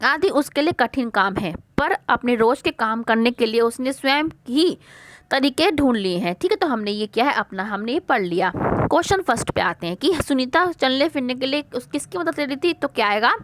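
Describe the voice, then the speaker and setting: A woman's voice: sits high, expressive, a bit bright, a little hiss or hum. Woman teacher quizzing pupils, answering herself. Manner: asks questions and answers them herself, repeating words slowly; calls the pupils "beta". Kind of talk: worksheet lesson for young pupils.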